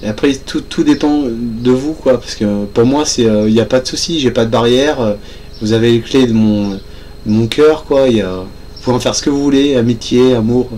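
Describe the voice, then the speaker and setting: A man speaks at a moderate pace and a medium pitch, with noticeable background noise behind him. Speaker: vlogger. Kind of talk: vlog monologue. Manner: monotone; halting.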